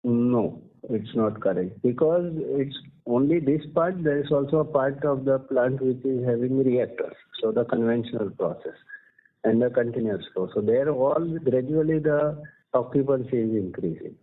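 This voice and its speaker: Indian executive on a muffled call line. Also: male voice, mid-range voice, normal speed. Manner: explanatory, uses tags like "right?" and "so to say". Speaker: company executive answering investor questions. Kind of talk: earnings call question and answer. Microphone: conference call line. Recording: muffled narrow-band conference phone line.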